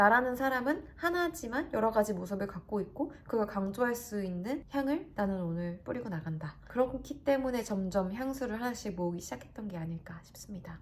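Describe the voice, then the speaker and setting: Her fairly high voice races along at a fairly quick pace with hardly any pauses and very wide pitch swings as the woman speaks. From South Korea. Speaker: flight attendant vlogger. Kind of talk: personal vlog talk. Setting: home.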